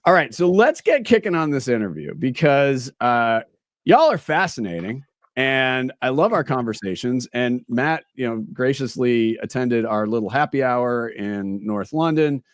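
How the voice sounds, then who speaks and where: Male host, slightly raspy, loose and friendly-paced chat, dry close mic. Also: medium pitch, lively intonation, unhurried, no echo. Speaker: podcast host. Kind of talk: casual interview chat.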